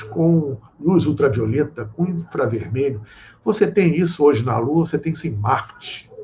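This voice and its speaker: A Brazilian man explains in a lecturing way, often pausing to check in with his listeners. The live-stream audio is a bit dull and muffled. A faint hiss of room noise sits under his voice. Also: medium pitch, a little mellow. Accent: Brazilian Portuguese. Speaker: guest speaker on esoteric topics.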